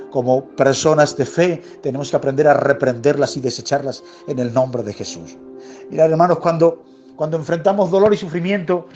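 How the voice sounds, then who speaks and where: Guy preaching, kinda high voice, goes quiet and intense, bit of music behind. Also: dull audio. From Spain. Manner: emphatic, repetitive phrasing, dropping to a hushed tone. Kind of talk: sermon.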